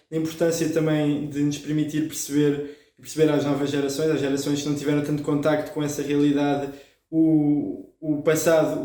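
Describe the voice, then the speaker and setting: A man hosting a book club conversation, speaking haltingly and repeating words. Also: a little high, warm tone. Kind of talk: moderating a book discussion. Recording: echoey room, distant from mic.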